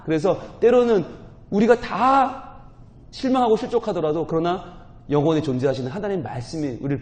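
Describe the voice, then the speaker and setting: A male pastor preaching a dawn prayer sermon, leading his congregation in reading scripture aloud and acting out the voices in the story. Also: fairly high pitch. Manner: acts out God's and Moses' words in lively quoted voices. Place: church sanctuary. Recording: long church hall reverb.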